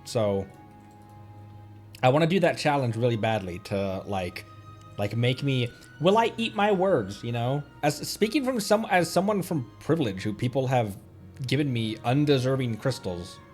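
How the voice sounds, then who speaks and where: Male streamer, mid-pitched, casual rambling gameplay chat with stammered restarts, faint music behind. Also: expressive, moderate pace, a little mellow. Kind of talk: casual livestream chat while gaming.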